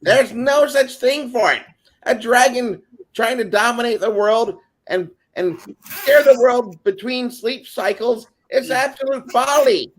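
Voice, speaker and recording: A man's voice: extremely high pitch, unhurried, low-quality recording. A man on a panel talking in an emphatic, mock-grand, theatrical comic manner. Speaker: panel guest. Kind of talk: theatrical comic ranting and chat.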